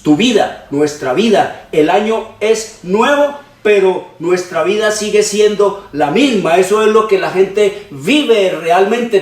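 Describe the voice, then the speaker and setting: A man preaching a sermon in long repeated lists, often pausing with "eh". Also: sits high. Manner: frequent hesitations with "eh". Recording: roomy, distant from the mic.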